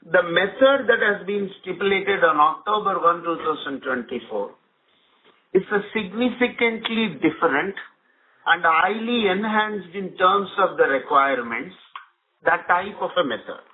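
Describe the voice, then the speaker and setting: A man with an Indian accent giving measured, formal answers as a company executive on an earnings call. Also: high-pitched, animated. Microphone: conference phone call. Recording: narrow phone line with clear noise.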